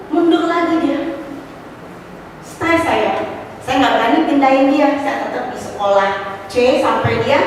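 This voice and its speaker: Middle-aged woman telling her testimony, animated, a bit high, sounds far off in a big echoey hall. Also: a little hiss or hum. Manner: animated storytelling, rising to exclamations; mixes in casual slang and english words. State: has a cough. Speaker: testimony speaker at a church fellowship. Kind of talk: personal testimony. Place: church hall.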